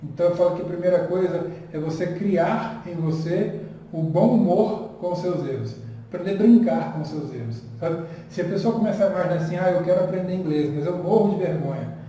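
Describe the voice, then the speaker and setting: Earnest guy chatting about learning, mellow voice, echoey room, mic kinda far off. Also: high-pitched, fairly quick. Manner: earnest, reflective, encouraging. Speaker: guest teacher. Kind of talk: casual conversation. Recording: echoey room, distant mic, faint noise.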